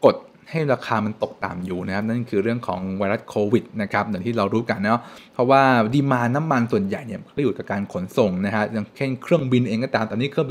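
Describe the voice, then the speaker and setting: Speaking at a medium pitch, this young finance channel host explains stock news to camera in a casual, animated, chatty way, often adding polite particles. He's indoors in a home room lined with shelves.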